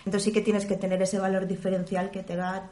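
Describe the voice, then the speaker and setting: A professional voice-over woman from Spain, chatting in an interview and explaining her work with lively examples. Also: mid-range voice, quick pace, echoey room, slight background noise. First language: Spanish. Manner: animated, explains with examples and imitated sounds. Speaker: interview guest, professional voice-over artist and journalist. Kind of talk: relaxed conversational interview.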